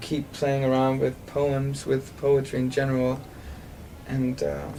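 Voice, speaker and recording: This is a man speaking. He has a Danish accent. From Denmark. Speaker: singer-songwriter. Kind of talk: interview. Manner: halting.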